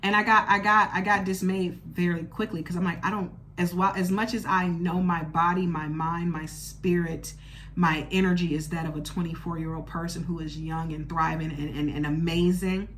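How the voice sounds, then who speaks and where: A woman in her thirties hosting her podcast as a candid solo monologue, expressive and blunt, swearing freely. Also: fairly low pitch, moderate pace, a little hiss or hum. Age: 30s. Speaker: podcast host.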